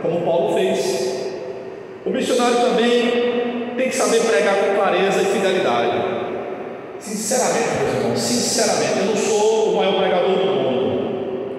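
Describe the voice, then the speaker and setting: A man's voice: sits high, a little hiss or hum. A man from Pernambuco with its accent, preaching a sermon in a conversational, exasperated style with rising emphasis. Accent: Brazilian Portuguese, Pernambuco. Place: church sanctuary. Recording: echoey distant church hall recording.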